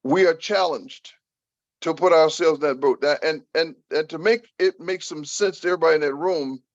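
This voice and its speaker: An older American man answering an audience member at a talk, speaking deliberately and repeating phrases for emphasis. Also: on the high side, dry recording, muffled recording.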